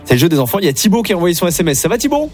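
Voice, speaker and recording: A man's voice: high-pitched, very animated, racing, faint music behind. A man hosting an evening radio show, upbeat and chummy with callers. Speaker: radio host.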